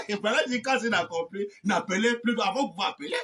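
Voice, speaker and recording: A man preaching a fervent sermon, often shouting and repeating refrains between phrases. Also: high-pitched, expressive, brisk, recorded from a distance. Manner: shouting, repeating "eh ben" and "amen".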